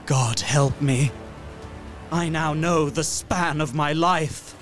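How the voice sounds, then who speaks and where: A man's voice: a little high, slow pace, fairly bright tone, faint music behind. An actor playing a horrified young solicitor, narrating his journal in an earnest, formal way for a radio play. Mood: despairing. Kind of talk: dramatic first-person narration, radio play.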